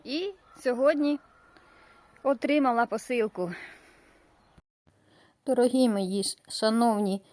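A middle-aged woman from the Mykolaiv region of Ukraine, chatting homely and hesitantly in a casual vlog, with many fillers and pauses. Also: a little high, a little mellow. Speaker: gardening vlogger. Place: outdoors in a village garden. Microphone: voice-over added after filming.

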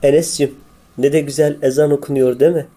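Man playing a mellow, curious cartoon school teacher. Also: a little high, level tone, fast talker, faint music behind, close to an everyday voice. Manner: addresses pupils fondly, asks leading questions. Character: kindly, curious school teacher, easily amazed. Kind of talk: scripted comic cartoon dialogue.

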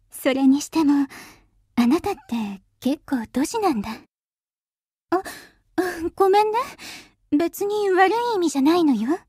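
A woman voicing a kind, friendly teenage girl in a drama, gentle, caring and lightly teasing. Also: sits high, lively intonation, measured pace, long pauses, no room sound, studio quality, pitched below the performer's own voice. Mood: kind, amused.

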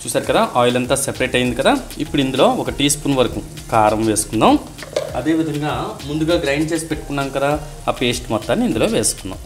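A fast-talking man with a mid-pitched voice hosts a cooking voice-over. He guides viewers through each step in an instructional manner. Music plays behind him. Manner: instructional, addressing viewers directly. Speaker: host of a cooking channel. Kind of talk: recipe voice-over narration, step by step.

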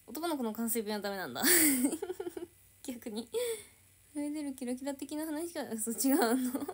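A woman's voice: high-pitched, expressive, a little slow, husky. A young woman idol chatting casually on a livestream, reading and answering viewer comments.

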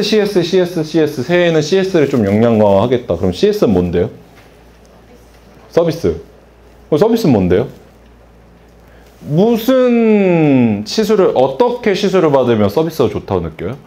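A middle-aged man with a mellow, medium-pitched voice runs a workshop lecture on the salon business. He poses questions to the audience and acts out exchanges with customers.

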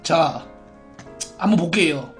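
A man's voice: a little high, lively intonation, slow, faint music behind. A man in his twenties hosting a live stream, reading out viewer posts and giving theatrical announcer-like verdicts in a brash, crude, mocking way. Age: 20s. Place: small indoor room at a computer.

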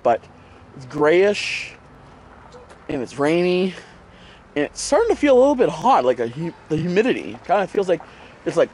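Sick with a cold and sounding congested, a vlogger chats and rambles to his handheld action camera, held at arm's length, with lots of fillers as he moves from his bedroom to outdoor streets and into a store. He has a fairly high voice with a darkish tone. A little hiss or hum can be heard.

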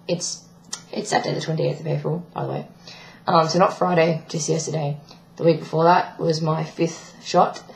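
A young trans man with a croaky, breaking voice, giving a rambling video diary update with many ums. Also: a little high, roomy sound, rough recording. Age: young adult. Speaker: vlogger. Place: small bedroom indoors. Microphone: webcam at desk.

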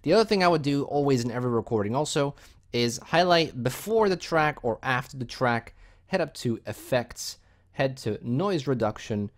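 Male tutorial host, medium pitch, casual and instructional, walking viewers through software one step at a time. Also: expressive, normal speed.

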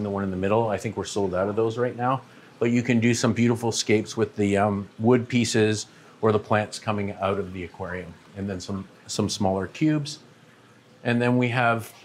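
Homem de voz grave em tour pela loja. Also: male voice, fairly low pitch, slight background noise. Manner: relaxed, many "um" fillers, pointing at products as he walks. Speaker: shop owner giving a tour. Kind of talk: casual walking tour. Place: large aquarium shop showroom and warehouse, indoors.

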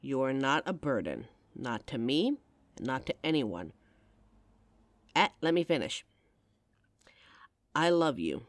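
A woman plays a devoted young girlfriend in an audio roleplay, frank and caring, speaking right to the listener. Her pitch rises and falls a lot as she talks. The sound is dry and close-miked. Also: very animated, slow pace, long pauses, no echo, heavily acted. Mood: tender, reassuring. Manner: speaks straight to the listener, intimate and emotional.

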